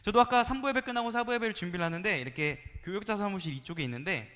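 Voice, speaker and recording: A man preaching a playful, animated sermon to a youth congregation, sometimes acting out voices and calling on the listeners to respond. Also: high-pitched, rapid-fire, big-room sound. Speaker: youth pastor. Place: church sanctuary.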